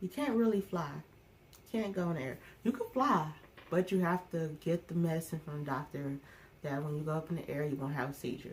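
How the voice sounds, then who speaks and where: Over noticeable background noise, a woman with a fairly low voice and lively intonation speaks with long, frequent pauses. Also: fairly quick pace. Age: 20s. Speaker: YouTuber with epilepsy. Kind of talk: testimony.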